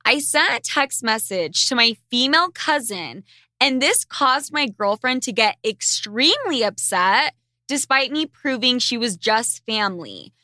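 A woman's voice: a little high, very animated, unhurried, sharp tone, no echo, clean studio sound. A young woman hosting a casual podcast, reading out listener questions and answering bluntly, with crude jokes and frequent laughter. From Argentine family. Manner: blunt, crude, laughs often while talking. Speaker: podcast host.

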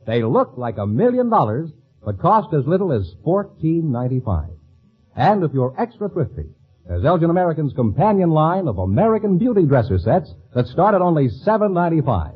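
A man's voice: fairly high pitch, big pitch swings, fairly quick, breathy edge. A man working as a radio announcer, reading in a polished, salesmanlike mid-century style. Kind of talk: 1950s radio announcing and sponsor copy. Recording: muffled vintage radio recording, faint music.

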